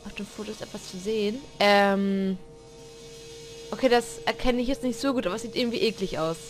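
A woman's voice: medium pitch, steady tone, brisk, faint music behind. A woman giving unscripted commentary on a horror game she plays blind, jumpy, exclaiming, cussing and talking back to the characters. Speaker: let's player.

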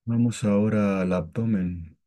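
A man guiding a meditation with calm, gentle, scripted instructions and long pauses between phrases. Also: fairly low pitch. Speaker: meditation guide.

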